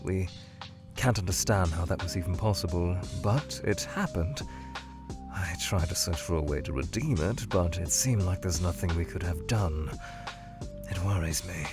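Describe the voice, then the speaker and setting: A man playing a weary, scholarly monster scientist trapped in a void, speaking in a measured, halting, brooding way that trails off, in a fan audio drama. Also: low voice, music in the background, lightly acted. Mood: worried, somber. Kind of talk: fan audio drama, in-character answers to questions.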